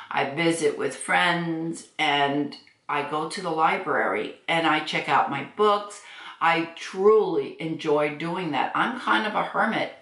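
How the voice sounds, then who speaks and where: A woman's voice: low-pitched, fairly bright tone. Chatty woman in her sixties, roomy echo. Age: 60s. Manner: chatty, laughs often, frank. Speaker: beauty vlogger. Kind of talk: casual chat reading viewer comments. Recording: echoey room.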